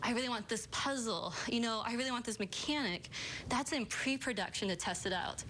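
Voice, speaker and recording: A woman studying game design, speaking in an interview with lively storytelling. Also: fairly high pitch, fairly quick, a little hiss or hum, low-quality recording.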